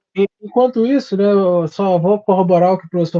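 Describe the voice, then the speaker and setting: A man's dark, mellow tone. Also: dry, close sound with no echo. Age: 40s. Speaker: physics teacher. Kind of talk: online panel discussion.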